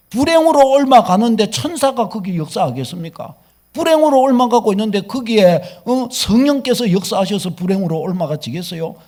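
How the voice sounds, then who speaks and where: A middle-aged male pastor delivers a sermon with a high, lively voice that leaps up and down in pitch. He keeps asking the congregation questions and swings from loud, forceful emphasis to soft, low asides. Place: church sanctuary.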